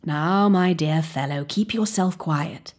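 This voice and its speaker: A kindly older physician, read by a woman, calm and soothing at a bedside. The voice is soft and breathy, and the pace stays slow. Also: sits low. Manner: kind, soothing.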